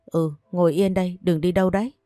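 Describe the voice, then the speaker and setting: A fretful young woman fussing over her friend, as a female storyteller puts her on, speaking in a hurried, worried way. The voice sits low and warm, with a dry, close sound. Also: steady tone, no echo, close to an everyday voice. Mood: fussy. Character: anxious young woman friend, fussy and protective.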